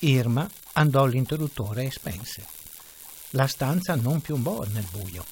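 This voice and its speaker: A man narrating a short story in a measured, ironic storytelling manner. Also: mid-range voice, lively intonation, a little hiss or hum. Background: faint music.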